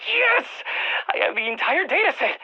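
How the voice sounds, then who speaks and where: An actor playing an excitable, nerdy male scientist with a Latino Spanish accent, wordy and theatrical, in video game radio lines. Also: very high-pitched, moderate pace, gravelly, lo-fi sound, heavily acted. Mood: gleeful. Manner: theatrical, wordy, swinging between glee and exasperation. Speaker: mission scientist giving radio briefings.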